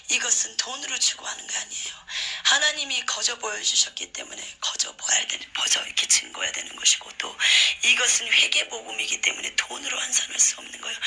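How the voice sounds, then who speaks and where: A woman preacher tells a religious testimony in an earnest, emphatic way, often dropping to a breathy whisper. Her voice is fairly high and very bright and sharp. She keeps up a steady, intense storytelling flow. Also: low-quality recording. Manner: hushed, breathy whispering delivery.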